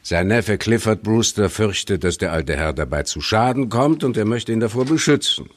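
A man's voice: on the low side, expressive. An actor playing a shady, inscrutable male lawyer in a German radio drama, letting his words drop casually and without fuss. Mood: smooth, casual. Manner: lets words drop casually, unfussy, slightly drawn-out.

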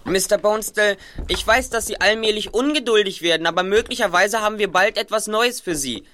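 A clever teenage boy detective in a radio play, calmly talking someone into his plan. His voice is high and bright. He speaks with measured, reasoned persuasion. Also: slight background noise. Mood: persuasive. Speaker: Justus, radio play character.

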